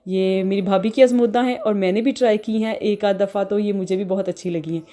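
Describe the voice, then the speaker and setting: A young woman from Pakistan with a Pakistani Urdu accent, chatting casually in a home vlog with many filler pauses. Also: mid-range voice, fairly even intonation, warm tone. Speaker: vlogger.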